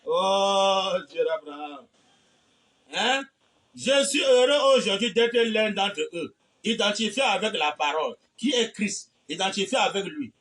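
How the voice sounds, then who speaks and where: A man preaching a fiery sermon, swinging from low muttering to shouted high exclamations and repeating phrases. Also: animated, measured pace, recorded from a distance. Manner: repeats phrases with frequent "hein?" and "eh ben".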